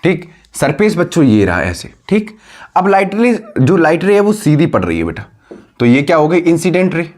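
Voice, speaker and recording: A man teaching a physics lesson to schoolchildren, asking them questions, repeating key terms and dictating notes slowly. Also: fairly high pitch, wildly swooping pitch, darkish tone. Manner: calls students "बेटा", "बच्चों". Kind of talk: classroom lesson.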